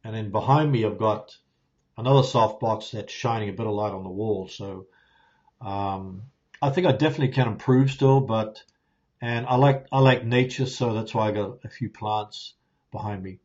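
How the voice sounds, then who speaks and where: In a home studio lit by a ring light and softboxes, with plants around, a New Zealand YouTuber answers viewer questions in a casual live Q&A. His voice is lowish and he speaks at normal speed, rambling easily with many fillers and restarts, and the phone-and-lapel-mic recording sounds muffled.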